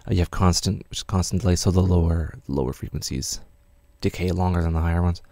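Male music production tutor, offhand and unpolished, very low register with plenty of vocal fry. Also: fast talker, a little mellow, dry recording. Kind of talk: casual software tutorial narration.

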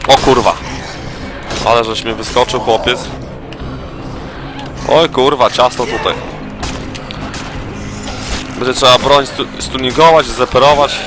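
A drunk man rambling and swearing as he comments on a zombie game he is playing. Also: mid-range voice. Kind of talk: profane let's play commentary.

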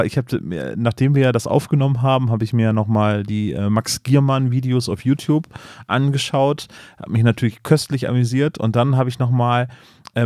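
Casting: lockerer männlicher Podcast-Host, witzelnd, mittlere Stimmlage. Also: male voice, medium pitch, no room sound, clean studio sound. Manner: relaxed, joking, laughs often. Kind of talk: casual podcast chat.

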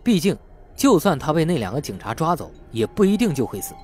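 A man's voice: on the high side, big pitch swings, fairly quick, a little mellow. A man narrating a crime novel as a scripted audiobook, in a storyteller's delivery. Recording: faint music bed under the voice. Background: faint background music.

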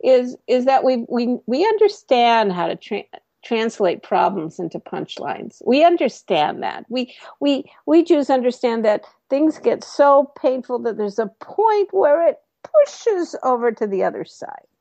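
A woman comedy coach and author, joking her way through an interview and slipping into quick comic voices. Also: on the high side, sing-song, creaky, dark tone, dry recording, muffled recording. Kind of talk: animated interview guest.

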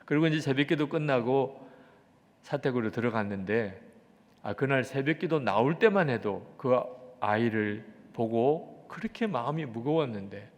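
A man, a pastor, preaching a sermon and telling a story, acting out prayers with sudden loud outbursts and soft drops. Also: on the high side. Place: church sanctuary. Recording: church hall reverb.

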